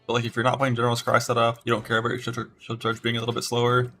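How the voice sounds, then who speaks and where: A male game streamer with a gravelly, bright, forceful voice, thinking aloud in loose casual commentary. Faint game music sits behind him. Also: mid-range voice, completely flat delivery, very fast. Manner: rambling, many fillers and restarts.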